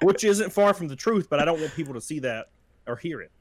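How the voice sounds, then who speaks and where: A man's voice: on the high side, lively intonation, fairly quick, dry recording. Laid-back Southern-accented young man. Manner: laid-back, self-mocking, laughs often. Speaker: YouTuber podcast guest. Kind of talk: casual podcast chat.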